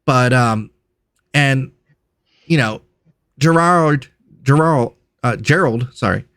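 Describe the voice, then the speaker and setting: A man's voice: medium pitch, takes it slowly, a bit bright, no room sound. A man voicing a chatty clawed creature who works hard at a resort, in a hesitant, gossipy, rambling manner for a tabletop game. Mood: chatty, earnest. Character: chatty clawed cave-loving resort worker, friendly and overworked.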